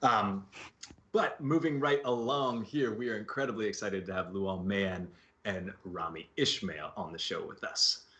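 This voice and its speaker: A man's voice: lowish voice, measured pace, pushed and bright. A man hosting a livestream show in a casual, conversational style. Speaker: show host.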